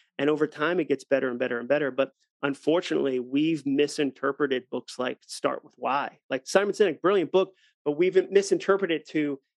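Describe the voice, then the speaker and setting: An ordinary speaking voice from a man with an American accent, fairly high and fairly quick, with ordinary pitch variation, big swings in loudness and a dry, close sound with no echo. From Massachusetts, North Shore. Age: 40s. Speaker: author and speaker. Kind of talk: casual interview.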